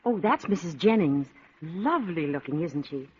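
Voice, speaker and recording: A chatty mom in an old radio ad, lowish and lively, muffled. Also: female voice, moderate pace, breathy edge, full character voice. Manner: chatty, gossipy. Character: friendly chatty mother at a rally.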